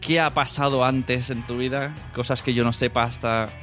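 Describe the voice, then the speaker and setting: A man's voice: medium pitch, fairly even intonation, normal speed, fairly bright tone, soft background music. A man hosting a podcast, presenting and interviewing casually in a rambling, self-correcting way. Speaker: podcast host.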